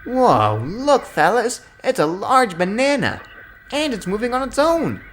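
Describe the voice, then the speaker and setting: A man's voice: very high-pitched, wildly swooping pitch, measured pace, slight background noise, pitched above the performer's own voice, heavily acted. A man voicing a gang of rowdy, mocking freight trucks in a storybook reading. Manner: loud, mocking, giggly. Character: small mischievous freight trucks, rowdy jeering lads. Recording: music playing clearly behind.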